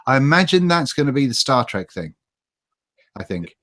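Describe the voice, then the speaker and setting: A man's voice: medium pitch, sing-song, moderate pace, fairly bright tone. A man with a British accent hosting a livestream in a chatty, casual, sweary way. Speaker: livestream host. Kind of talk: casual chat, reading viewer comments.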